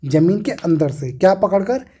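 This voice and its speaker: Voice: mid-range voice, lively intonation, moderate pace, dark tone, slightly rough. A teacher explaining a lesson, asking questions and answering them while repeating key words. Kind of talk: explaining an English reader lesson.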